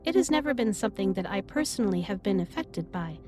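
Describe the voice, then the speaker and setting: A woman playing a caring alien starship captain in a sci-fi audio drama, speaking formally and in measured phrases with gentle reassurance. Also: mid-range voice, lively intonation, lightly acted. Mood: calm, caring. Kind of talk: scripted roleplay audio drama, intimate comforting monologue. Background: ambient music.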